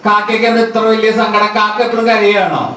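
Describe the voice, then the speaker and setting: A woman teacher coaxing a crowd of children, calling out questions again and again and urging them to answer louder. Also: mid-range voice, level tone, fast talker. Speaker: teacher leading a school welcome event. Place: large hall full of children. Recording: echoey hall from far off, crowd noise.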